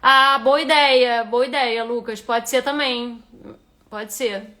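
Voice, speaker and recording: A woman's voice: on the high side, steady tone, takes it slowly, pushed and bright. A woman with a Rio de Janeiro accent, a writing instructor giving a live critique of a reader's manuscript and thinking aloud with frequent restarts. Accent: Rio de Janeiro Portuguese.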